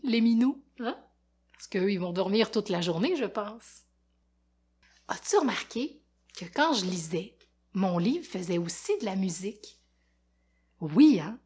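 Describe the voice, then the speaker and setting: A woman, a teacher, reading a rhyming picture book aloud to children with a lively, rhythmic delivery and questions for her listeners. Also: medium pitch, slightly rough. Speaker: teacher and storyteller.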